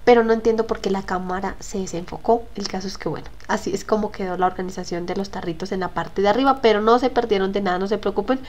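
A woman's voice: medium pitch, quick pace, few pauses, a little mellow, a little hiss or hum. A young woman, talking viewers through her kitchen organizing in a casual, chatty voice-over full of asides and fillers. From Colombia. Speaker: home vlogger.

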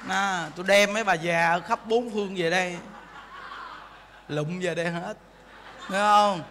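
Male monk, lively folksy sermon, high and bright voice, long reverb of a temple hall. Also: normal speed, slight background noise. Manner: animated, joking, acts out voices, asks the audience. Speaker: Buddhist monk teacher. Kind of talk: folksy dharma talk.

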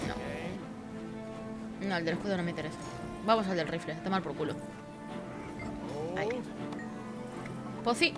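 A woman's voice: on the low side, moderate pace, long pauses. A woman giving casual gameplay commentary. She sounds tired and sleepy, chats freely, swears often and cries out dramatically for help during fights. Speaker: gameplay streamer. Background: game music.

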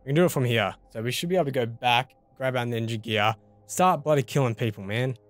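A man's voice: mid-range voice, quick pace. A young Australian man giving casual let's play commentary, thinking aloud and swearing mildly as he plays. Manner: casual, muttering thoughts aloud with mild swearing. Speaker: gaming YouTuber.

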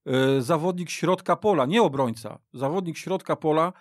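Man, fairly high voice, dry studio sound, halting repeats. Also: no room sound. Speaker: radio football podcast panelist. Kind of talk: casual chat. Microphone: studio mic.

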